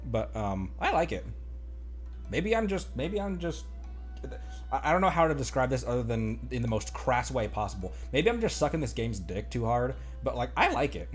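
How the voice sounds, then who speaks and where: A man's voice: medium pitch, very animated, normal speed. A man giving casual, playful, rambling commentary while livestreaming a video game. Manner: rambling, playful, breaks into mimicry. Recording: faint game music behind the voice.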